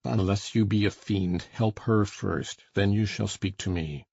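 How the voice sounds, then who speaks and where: Heathcliff, a man playing a brooding husky lover. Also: measured pace, a little mellow, no room sound, exaggerated voice. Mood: grim. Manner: intense, low and urgent. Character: brooding passionate man Heathcliff, fierce and desperate. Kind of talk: audiobook drama reading. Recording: dull lo-fi dry recording.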